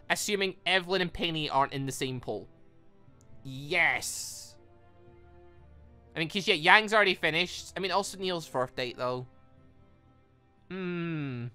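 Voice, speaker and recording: A gaming video host giving casual, chatty, rambling playthrough commentary in an animated way. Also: medium pitch. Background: background music.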